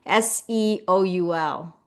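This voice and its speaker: A woman's voice: lowish voice, takes it slowly, clean tone. A middle-aged woman, born in South Korea and raised in the US, hosts a live stream in casual, earnest chat. She reads out viewer comments and often adds "you know" and "right?". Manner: lively when thanking viewers.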